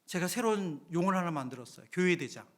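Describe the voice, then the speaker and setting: A male pastor giving a Friday evening sermon in a church, talking conversationally, acting out everyday scenes, and swinging between loud exclamations and hushed whispers. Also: high voice, animated, fast. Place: church sanctuary.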